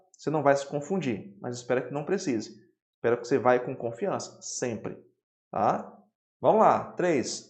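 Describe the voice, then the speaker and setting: A man with a Brazilian Portuguese accent teaching an exam-prep lesson, explaining at a whiteboard and checking in with quick "tá?" and "né?" tags. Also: medium pitch. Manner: lively explaining, frequent "tá?" and "né?" checks. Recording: roomy echo.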